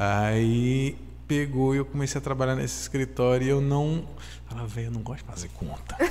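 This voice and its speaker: Audible room echo surrounds the voice. The man talks at a moderate speed. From Montes Claros, Minas Gerais, Brazil. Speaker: podcast host. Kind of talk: casual chat.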